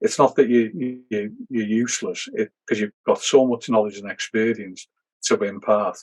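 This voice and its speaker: Dry and close with no echo, the recording captures a man with a plain, everyday voice speaking at a moderate pace and medium pitch with fairly even intonation. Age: 60s. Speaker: fraud investigator. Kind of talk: podcast interview.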